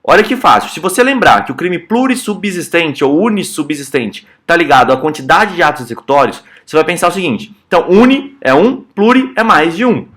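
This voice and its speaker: A man's voice: a little high, big pitch swings, brisk, hardly any pauses, a bit bright. A young Brazilian man teaching criminal law in a casual, explanatory lecture style, often checking in with his students. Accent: Brazilian Portuguese. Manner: conversational, checks in with "tá?" and "certo?".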